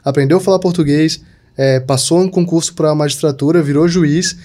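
A man's voice: on the high side, steady tone, fairly quick, dark tone. A young man from southern Brazil chatting casually as a podcast guest, full of fillers like "tipo" and "sabe". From Santa Catarina, Brazil. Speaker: podcast guest, digital marketer. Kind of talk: casual chat.

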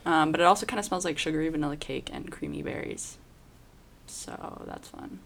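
A woman with a slightly low voice co-hosts a podcast. Her delivery is casual and easygoing, in an informal conversational style. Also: fast talker, vocal fry. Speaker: podcast co-host. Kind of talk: casual chat.

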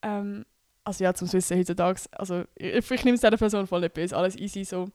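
A young woman with a Swiss accent talks casually on her own podcast, chatty and loose, dropping fillers and English slang. Her voice sits at a medium pitch for a woman. The sound is dry and close, with no room in it. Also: steady tone, quick pace, a little mellow, clear, resonant tone, dry recording. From Switzerland. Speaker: podcast host.

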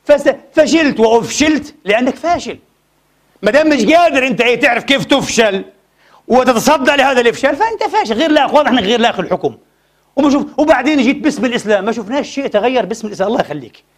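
A man's voice: extremely high pitch, animated, rapid-fire. A man preaching a Friday sermon in a mosque, impassioned and full of rhetorical questions to the congregation.

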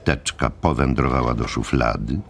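A man's voice: rumbling low, moderate pace, vocal fry, fairly bright tone, a little hiss or hum. A man narrating a novel as a scripted dramatic audiobook.

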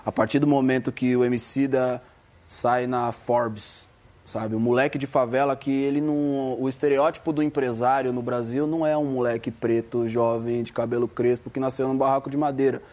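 A man's voice: medium pitch, steady tone, normal speed, darkish tone. A man in his thirties with a Brazilian accent, a guest on a studio talk show, telling stories in a slangy, joking way. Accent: Brazilian Portuguese. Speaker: guest rapper. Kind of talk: casual studio interview.

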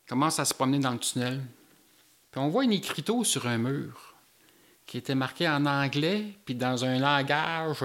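Québécois man telling a wild story. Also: mid-range voice. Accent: Québécois French. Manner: animated storytelling with Quebec slang.

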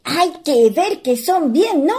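A woman playing a courteous, chatty young country hostess with a rural Chilean accent and a breathy voice in a radio play. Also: sits high, lively intonation, slow pace, mellow. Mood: eager, chatty. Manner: folksy, solicitous, polite.

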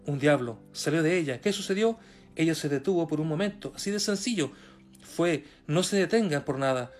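Chilean male preacher, slightly high voice, hesitant and repetitive, soft music under him. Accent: Chilean Spanish. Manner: halting, many fillers and repeated words, rising for emphasis. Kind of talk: sermon reading and retelling a testimony.

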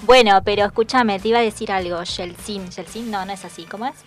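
A woman's voice: medium pitch, fast talker, soft background music. A woman, co-hosting a radio chat show in a chatty, playful way and laughing easily. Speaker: radio co-host.

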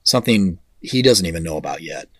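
A dry, close recording of a lowish male voice, an actor's, playing a thoughtful executive in an audio drama. He is wry and understated, talking naturally as he reasons through a puzzle. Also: animated, fairly quick, breathy edge, dry recording. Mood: pensive.

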